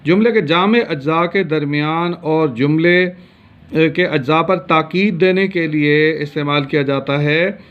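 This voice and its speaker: A man's voice: fairly high pitch, a little slow. A man from Pakistan teaching a grammar lesson, reading steadily with frequent hesitation sounds. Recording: dull lo-fi recording.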